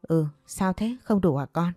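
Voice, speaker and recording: A woman voicing a gentle, caring middle-aged father who speaks calmly. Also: mid-range voice, measured pace, no room sound, clean studio sound, natural voice.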